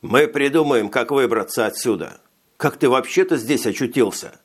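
A man's voice: mid-range voice, moderate pace, breathy edge, close to an everyday voice. A man playing an uneasy stranded businessman. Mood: doubtful. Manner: questioning, uneasy. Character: anxious young businessman stranded in alien woods.

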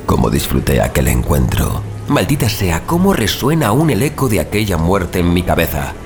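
In this horror audio drama, a man gives voice to a gleefully sadistic undead killer, recounting his murders with theatrical, sardonic menace. His voice sits low and sing-song at an ordinary pace, with soft music underneath, and the mood is gloating and nostalgic.

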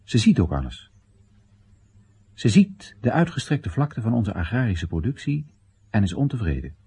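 A man's voice: on the low side, very animated, moderate pace, mellow, slightly rough, full character voice. An actor playing an exasperated, ironic Chinese citizen addressing his comrades in emphatic short phrases, in a theatrical radio play monologue. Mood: wry, confiding.

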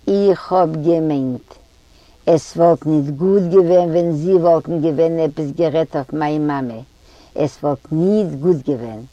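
A woman voicing a brash, hot-tempered young male thief, blustering and dictating slowly and loudly in an audiobook reading. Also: deep voice, no room sound. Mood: angry. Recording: dull lo-fi audio.

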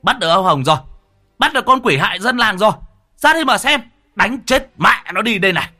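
Shrieking young villagers out for blood. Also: male voice, expressive, a little fast, exaggerated voice. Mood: frenzied yelling. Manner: shrill frenzied shouting. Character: young male villagers yelling for a lynching.

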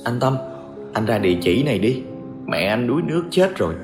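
A man's voice: mid-range voice, big pitch swings, brisk, voice pushed up. A man voicing a grieving adult son who speaks tearfully and urgently. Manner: tearful, pleading. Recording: echoey room with music behind.

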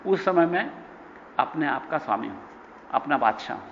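A man giving a spiritual lecture, telling stories and acting out the quoted speech with sudden pitch jumps. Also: lively intonation, moderate pace, vocal fry, a bit bright. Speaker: spiritual teacher. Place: ashram hall. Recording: dull lo-fi recording with long reverb and faint noise.

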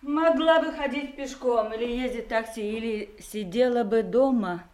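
An actress playing a bitter, wounded adult daughter, scornful and accusing, in a theatrical audio drama. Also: female voice, a little high, normal speed, a little mellow, close to an everyday voice. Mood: curt, scornful. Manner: scornful, accusing, emphatic repetition.

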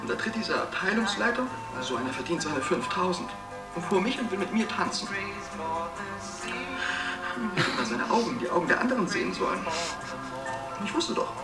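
High-pitched, agitated distraught gay man. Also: big pitch swings, fairly quick, vocal fry, long pauses, distant mic, heavily acted. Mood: wounded, recounting. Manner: agitated, plaintive, dramatic. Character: distraught, broke, flamboyant gay man, self-pitying and desperate. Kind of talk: emotional German radio play acting. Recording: echoey room, off the mic, music behind.

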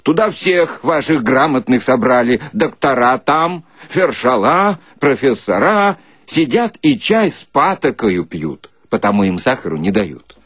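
Smug doorman checking tickets played by a man: falsely courteous, colloquial, pitched high, radio comedy reading. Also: big pitch swings, a little slow, few pauses, fairly bright tone, breathy edge, no room sound, studio quality, exaggerated voice. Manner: mock-courteous, sly, colloquial. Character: smugly polite male theatre ticket controller.

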